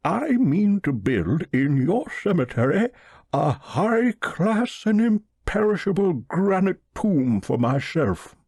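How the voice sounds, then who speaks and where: High, drawling, pompous old millionaire. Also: male voice, big pitch swings, a little mellow, husky, no echo, clean studio sound, full character voice. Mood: solemn, determined. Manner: solemn, slow drawling, sanctimonious delivery. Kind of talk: audiobook character voice.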